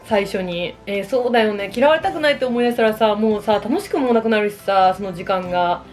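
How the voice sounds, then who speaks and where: A woman's voice: mid-range voice, a little fast, soft background music. A woman in her thirties chatting casually and confessionally over a meal, self-deprecating and giggly, often acting out imagined remarks. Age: 30s. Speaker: solo vlogger. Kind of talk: casual confessional chat, reacting to relatable dating woes.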